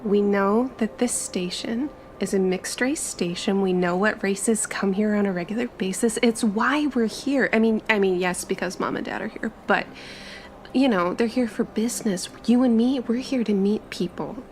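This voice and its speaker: A woman's voice: mid-range voice, moderate pace, a little hiss or hum, natural voice. A woman playing an eager, chatty young traveler in a tabletop roleplay, with gushing, informal, stop-start chatter. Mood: chatty, teasing.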